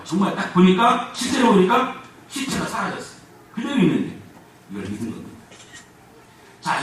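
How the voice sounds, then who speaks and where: Man, pastor delivering a sermon, lively pitch, loud-soft swings, recorded far off in an echoey church. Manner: animated preaching with sudden loud and soft swings. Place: church sanctuary. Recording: echoey church hall from far off, faint noise.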